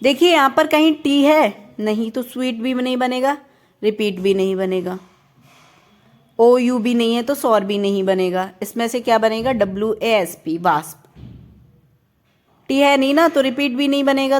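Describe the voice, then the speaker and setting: This is a reasoning lesson from a young adult Indian woman with a high voice and a darkish tone. Her pace is measured and she pauses often, solving each question step by step while checking that the viewer is following along.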